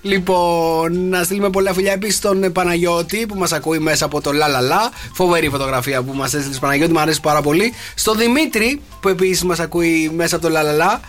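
A man's voice: fairly high pitch, hardly any pauses, a bit bright, soft background music. A man hosting a radio morning show in the studio, joking and reading out listener messages in casual chat. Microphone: studio microphone.

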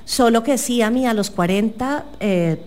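A woman's voice: on the high side, measured pace. A woman in her forties with a Bogotá Colombian accent, hosting a casual interview and chatting expressively. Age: 40s. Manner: expressive, chatty, laughs easily. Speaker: host.

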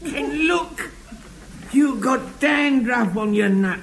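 An actor playing a suspicious, aggrieved stagecoach conductor in 1950s radio comedy, accusing and drawn-out. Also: male voice, extremely high pitch, expressive, gravelly, a bit bright, full character voice. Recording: very noisy old radio recording.

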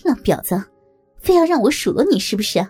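A woman's voice: fairly high pitch, animated, a little slow, mellow, breathy edge, soft background music. A woman voicing a brazen, bossy older woman who teases, giggles and coaxes. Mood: angry. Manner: teasing, giggling, coaxing. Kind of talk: audio story reading.

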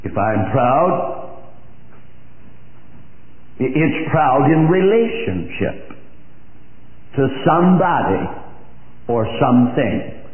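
An older man preaching a sermon with a big, emphatic voice, speaking slowly. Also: medium pitch, very animated. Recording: echoey hall on a tinny, phone-like old recording.

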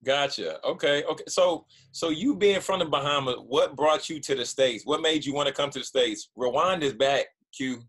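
A man hosting a casual podcast interview over a video call, energetic, often repeating and restarting words. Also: a little high, moderate pace, hardly any pauses, husky. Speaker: podcast host.

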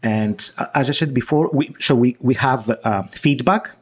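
Husky Greek-accented man explaining. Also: mid-range voice, moderate pace. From Greece. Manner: hesitant, many restarts and fillers. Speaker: guest researcher. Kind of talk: interview.

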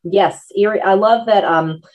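A woman's voice: medium pitch, moderate pace, lo-fi sound. A woman in her forties, an author talking casually as an interview guest, chatty and laughing often. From Northern Virginia, USA. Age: 40s.

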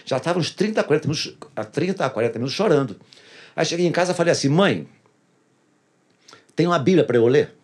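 A man's voice: fairly high pitch, lively intonation, fast, long pauses, husky. A pastor tells his personal testimony in a casual interview, earnestly repeating phrases for emphasis.

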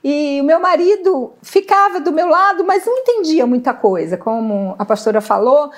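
A middle-aged woman giving an emotional faith testimony, earnest and halting, often searching for words. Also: high-pitched, animated. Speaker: guest sharing testimony.

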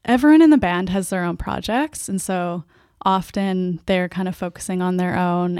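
A soft-spoken Canadian woman, a band's singer and guitarist, answering interview questions with a hesitant, laughing way of talking. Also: on the low side, clean tone, dry recording, clean studio sound. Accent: Canadian English. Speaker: band's lead vocalist and guitarist.

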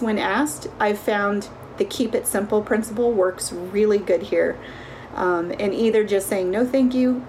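A woman's voice: medium pitch, darkish tone, slight background noise, low-quality recording. A woman from Texas sharing an upbeat, straightforward testimony. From Texas, USA. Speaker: program member sharing testimony. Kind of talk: casual home video testimony.

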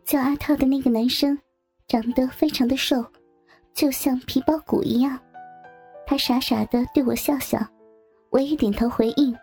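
A woman narrating a first-person story softly, with music behind. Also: high voice, fairly even intonation, moderate pace, vocal fry, slightly rough.

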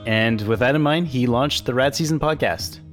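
A man's voice: medium pitch, normal speed, faint music behind. Enthusiastic, chatty podcast host man. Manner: enthusiastic, chatty, laughs easily. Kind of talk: casual podcast interview.

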